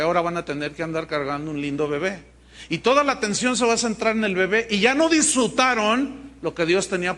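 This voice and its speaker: A man preaching a sermon as pastor, telling stories and acting out the quoted dialogue. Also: high-pitched. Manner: animated storytelling, acts out dialogue in quoted voices.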